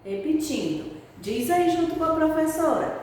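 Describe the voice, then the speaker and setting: A woman teacher talks through a lesson at an unhurried pace, drawing out each word and asking the class questions she answers herself. Her voice sits a little high and comes from a distance. The room rings with heavy echo and a long tail, over a faint hiss. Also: lively intonation, a little mellow. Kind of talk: recorded grammar lesson for pupils. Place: room with a board she writes on and erases. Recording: very echoey, long reverb, far from the mic, faint hiss.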